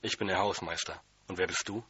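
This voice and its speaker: A man voicing a furious, heavy old caretaker who shouts and bullies, in a storybook reading. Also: sits low, steady tone, brisk, slightly rough, no room sound, highs cut off, pitched below the performer's own voice, full character voice. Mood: bellowing. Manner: shouting, bullying, hissing threats.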